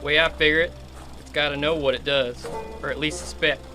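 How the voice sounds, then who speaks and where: Man playing an earnest Southern monster hunter, slightly high. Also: steady tone, fairly quick, pushed and bright, faint music behind. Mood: earnest, determined. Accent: American South. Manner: earnest, plain-spoken country talk. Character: earnest rural monster hunter avenging his uncle. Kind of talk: audio drama acting.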